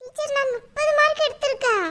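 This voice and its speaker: A woman's voice: very high-pitched, fast talker, noisy background, pitched above the performer's own voice. A woman voicing a whiny, teary cartoon schoolgirl. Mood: indignant. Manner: whiny, indignant, near tears. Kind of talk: cartoon voice acting.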